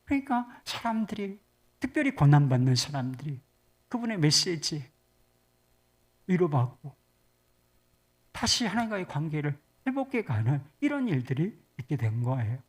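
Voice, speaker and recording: Animated woman preacher with a lively voice. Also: deep voice, moderate pace, long pauses, breathy edge. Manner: animated, conversational preaching that swings from soft to loud. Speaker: pastor. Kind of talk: sermon.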